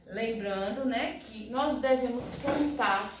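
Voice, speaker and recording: A patient woman teacher talks slowly and carefully to young pupils, sounding each syllable apart. Her voice sits a little high and rings around a very echoey room, picked up from some distance. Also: slight background noise. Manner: slow, patient, spells out syllables one by one. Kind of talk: recorded primary-school review lesson.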